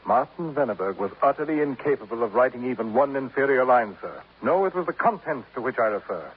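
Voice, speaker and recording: A man's voice: medium pitch, lively intonation, a little fast, natural voice. A man playing a pompous, florid poet on old radio. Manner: grandiloquent, formal, addresses others as sir. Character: pompous, florid male poet, self-admiring and fussy. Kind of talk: 1950s radio drama acting. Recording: tinny, hissy old radio broadcast.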